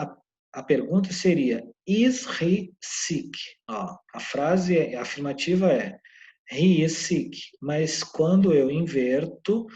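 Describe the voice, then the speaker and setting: A man's voice: fairly high pitch, warm tone, lo-fi sound. A man teaching an English lesson online, explaining grammar patiently and checking in often with his viewers.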